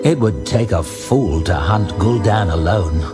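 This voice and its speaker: A man narrating a fantasy story dramatically, in a measured, suspenseful and deliberate manner. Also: low voice, expressive. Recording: loud music under the narration.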